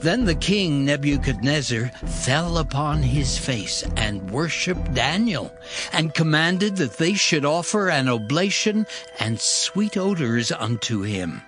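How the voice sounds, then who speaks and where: A man's voice: a little high, big pitch swings, slow. A man narrating a dramatized scripture reading as a scripted storyteller. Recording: prominent music behind the voice.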